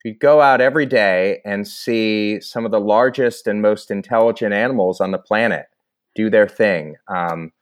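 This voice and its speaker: A man from New England, a guest on a podcast, talking in a measured, easygoing way with many "you knows". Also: on the low side. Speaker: environmental director, guest. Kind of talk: casual podcast interview.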